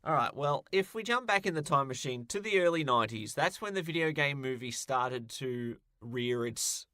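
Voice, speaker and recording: A man's voice: medium pitch, animated, normal speed, pushed and bright, dry recording, clean studio sound. A man co-hosting a podcast, chatting casually with wry, joking commentary. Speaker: podcast co-host. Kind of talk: casual podcast chat about games and film.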